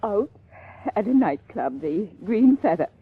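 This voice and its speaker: A woman playing an aging, passionate stage actress in a 1950s-style detective radio play, theatrical and halting. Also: medium pitch, sing-song, slight background noise. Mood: tense recollection. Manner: theatrical, halting with emphatic repetition. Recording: lo-fi radio drama, faint music.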